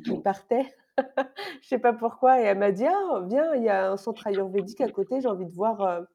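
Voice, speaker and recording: A woman's voice: medium pitch, warm tone. A woman hosting a podcast interview, asking questions casually with many fillers and hesitations. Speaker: podcast host.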